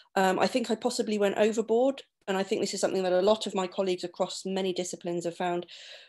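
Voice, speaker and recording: A woman speaks very fast with a British accent and fairly even intonation. The background is quiet. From England. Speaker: university GIS lecturer. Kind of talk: panel presentation. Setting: video call. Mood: reflective, calm. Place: home room. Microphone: video call.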